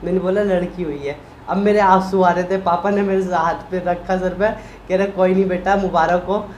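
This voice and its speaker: A man in a casual vlog chat, retelling a hospital story in an animated, emotional way and acting out what people said. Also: high-pitched, normal speed, echoey room, muffled recording, a little hiss or hum. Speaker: vlogger, husband.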